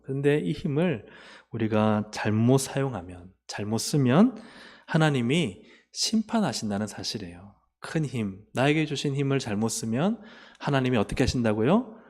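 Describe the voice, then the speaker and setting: A man preaching a sermon as pastor. He asks the congregation questions and answers them himself, and he moves between emphatic rises and quiet, low endings. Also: big pitch swings, moderate pace. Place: church sanctuary. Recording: long hall reverb.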